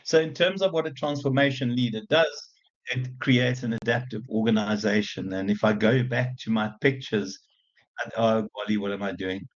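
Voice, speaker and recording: A man from South Africa with an Afrikaans accent, giving a chatty, animated university lecture with lots of repeated restarts. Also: on the low side, moderate pace. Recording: muffled lecture recording.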